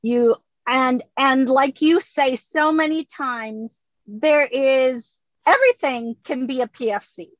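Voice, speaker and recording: A high-voiced woman in her sixties who chats away and laughs often. She speaks from inside her car, with a dry, dull, lo-fi sound. Her voice sits well above most women's. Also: takes it slowly, few pauses, no room sound. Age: 60s. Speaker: guest. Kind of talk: casual video-call chat.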